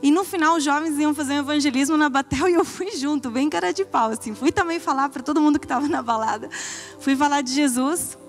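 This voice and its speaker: High-voiced woman giving an earnest testimony. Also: fast, soft background music. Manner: earnest storytelling, acting out her own past words. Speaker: pastor's wife giving testimony. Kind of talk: church testimony.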